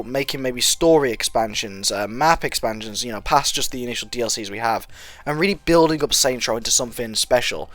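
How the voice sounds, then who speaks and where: Young male gaming vlogger, congested from a cold, earnest and rambling, mid-pitched, dry close sound. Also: a bit bright, dry recording. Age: young adult. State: stuffy from a cold. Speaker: gaming channel host. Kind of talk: casual opinion vlog.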